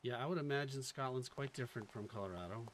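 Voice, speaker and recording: A man's voice: mid-range voice, quick pace, a little hiss or hum. A man with a faint Boston accent, casually thinking aloud and chatting with viewers while streaming a game. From Boston area. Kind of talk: casual live-stream commentary.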